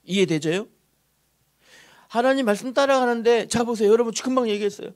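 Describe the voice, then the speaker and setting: In a church sanctuary, a male pastor preaches an animated sermon, frequently putting questions to the congregation. His voice is very high and a little fast.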